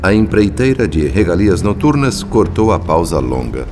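A man's voice: low voice, sing-song, normal speed, darkish tone, faint music behind. A man with a Brazilian accent playing a grave, watchful spirit who narrates a radio drama in literary, solemn style. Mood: grave, dramatic.

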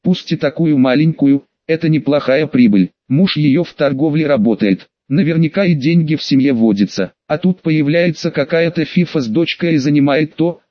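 A man narrating a first-person audiobook in an even, reasoning storytelling manner. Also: fairly high pitch, no room sound. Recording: dull lo-fi audiobook recording.

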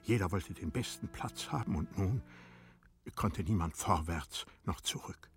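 A man narrating a literary radio play in a measured, expressive storytelling manner. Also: low voice, soft background music.

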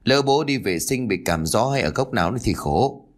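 A man's voice: medium pitch, animated, fairly quick, lightly acted. Figure: a man voicing a flustered grown village son. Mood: anxious. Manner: urgent, flustered. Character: anxious adult son in a village family.

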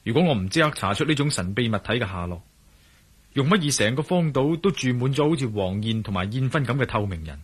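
An actor voicing a calm, curious male investigator in a Cantonese radio drama, speaking in a measured, musing way. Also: mid-range voice, breathy edge. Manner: musing inner monologue, measured. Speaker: lead character.

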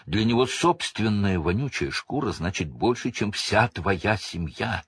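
Brief: male narrator plays a seething wizard, low and rough, quiet menace. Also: expressive, unhurried, no echo, clean studio sound, full character voice. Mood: grim. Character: furious, bitter escaped wizard, adult man.

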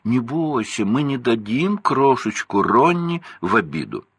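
Man voicing teasing teenage twins, high and bouncy, husky edge, lively swings, dry close sound, storybook reading. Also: measured pace, no echo, heavily acted. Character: mischievous teenage twin boys, joking and teasing.

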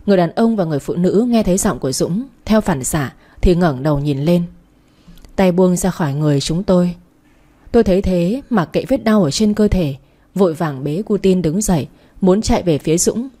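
A woman's voice: lowish voice, warm tone. A woman reading a first-person story aloud, voicing the characters herself. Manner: dramatic reading that voices every character.

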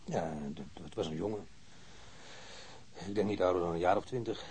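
A man playing a grumbling wounded policeman in a radio drama, halting and repeating himself. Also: low-pitched, darkish tone, slightly rough. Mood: halting, searching. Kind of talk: naturalistic radio drama acting.

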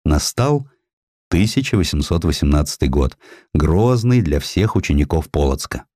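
A man narrating historical stories as an audiobook, in an expressive, theatrical manner. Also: very deep voice, normal speed, no room sound, studio quality.

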